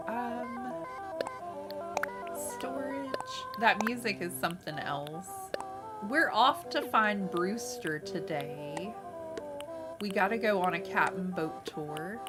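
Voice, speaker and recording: A woman chatting casually with her live-stream viewers as she plays, friendly and quick to laugh, her voice a little nasal from a cold. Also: medium pitch. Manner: chatty, friendly, thanks chat often, laughs a lot. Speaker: game streamer. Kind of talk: casual live-stream chat while playing. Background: loud game music.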